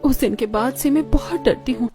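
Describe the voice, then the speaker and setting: Woman doing a shy scared young bride in a cartoon, soft and high. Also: normal speed, soft background music, natural voice. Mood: anxious. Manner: soft, pleading. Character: gentle young bride, timid and mistreated.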